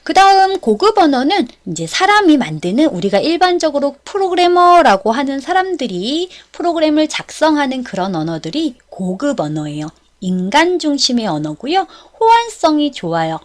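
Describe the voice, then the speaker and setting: A woman giving an explanatory lecture as an instructor, step by step and in a polite register. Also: high-pitched. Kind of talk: explanatory exam-prep lecture.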